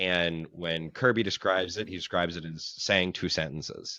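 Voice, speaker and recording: Here is a man with an upstate New York accent. His tone is bright and sharp. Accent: upstate New York American. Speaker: comics podcast co-host. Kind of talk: casual discussion.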